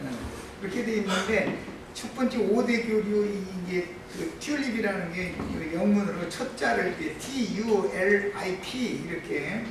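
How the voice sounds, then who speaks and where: A man earnestly explaining church doctrine in a testimony, often pausing with short affirming fillers. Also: sits high. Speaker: church member giving testimony. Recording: echoey room, far from mic, clear background noise.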